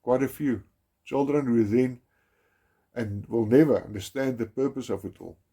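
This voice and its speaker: A South African man with Afrikaans as his first language narrates a documentary in a solemn, measured way. His voice is dark, mellow and a little husky, and he leans hard on key words. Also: medium pitch. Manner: grave, measured, with emphatic stresses and some restarts.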